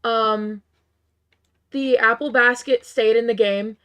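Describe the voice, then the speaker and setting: A slightly hoarse woman streamer, losing her voice a little, chatting casually with her viewers, laughing often and filling pauses with "um". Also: a little high, fairly even intonation, fairly bright tone, dull audio. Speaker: game streamer. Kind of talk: casual live-stream chat.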